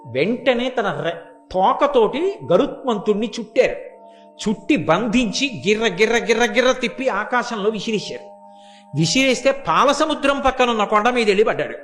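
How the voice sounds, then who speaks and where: A man's voice: high voice, fairly bright tone. A man giving a devotional storytelling discourse, acting out the characters' words as he narrates. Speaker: religious discourse speaker.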